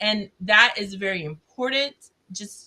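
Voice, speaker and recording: The voice has a bright, sharp tone. Its pitch varies in an ordinary way. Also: woman. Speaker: industry professional. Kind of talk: podcast interview. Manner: loud; intense.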